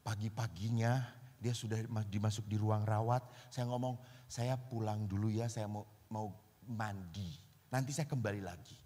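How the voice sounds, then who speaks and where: Man, Catholic priest, Javanese Indonesian accent, husky, lively storytelling sermon, echoing hall. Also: fairly low pitch, normal speed. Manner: animated storyteller acting out voices. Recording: reverberant hall.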